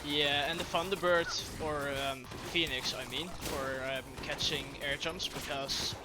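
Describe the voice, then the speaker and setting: Man, Dutch accent, fairly high voice, excitable esports colour commentator, game music under him. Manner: excitable, quick reactions to hits. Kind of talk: live tournament commentary.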